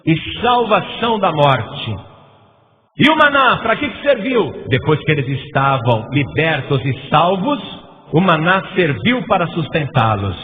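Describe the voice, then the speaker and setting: A man with a Brazilian Portuguese accent preaching a sermon as pastor, building to loud, emphatic repeated lists. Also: high-pitched. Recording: tinny phone-like sound with long reverb and faint noise.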